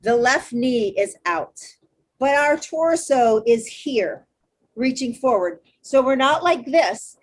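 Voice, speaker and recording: A woman teaching a live online yoga class, cueing poses step by step in a loud, encouraging, chatty way over a video call. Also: sits high, animated, slow, a little hiss or hum. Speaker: yoga instructor.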